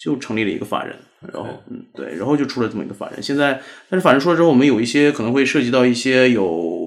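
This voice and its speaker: A man's lively intonation rides on a very fast pace of speech. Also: medium pitch for a man. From Dalian, northeast China. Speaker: ski club co-founder. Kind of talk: casual chat.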